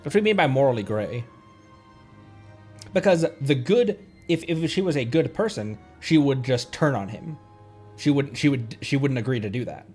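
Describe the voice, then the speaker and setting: A man casually commenting as a livestream host, thinking aloud with halting, repeated and restarted phrases. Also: medium pitch, animated, darkish tone, soft background music. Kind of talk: casual game stream commentary.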